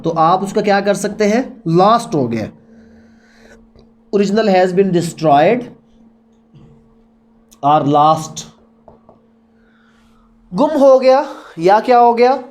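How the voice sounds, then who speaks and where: A man's voice: high-pitched, very animated, slow pace, pauses often. A man with a Pakistani accent giving an explanatory lecture in a didactic way, posing questions and answering them himself. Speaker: law lecturer. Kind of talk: explanatory lecture on evidence law, mixing Urdu and English.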